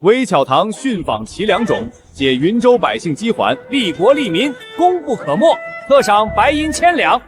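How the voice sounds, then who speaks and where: A man playing a ceremonious palace eunuch in a costume drama, proclaiming an imperial edict in shrill, formal tones. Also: sing-song, normal speed, hardly any pauses, music in the background. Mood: pompous, solemn. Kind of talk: costume short drama acting.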